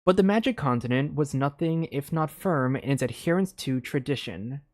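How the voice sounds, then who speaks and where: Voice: medium pitch, lively intonation, normal speed, a little mellow. A game streamer chatting informally and reading a story aloud, stumbling over words and commenting along the way. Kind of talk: casual livestream chat mixed with read-aloud storytelling. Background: music.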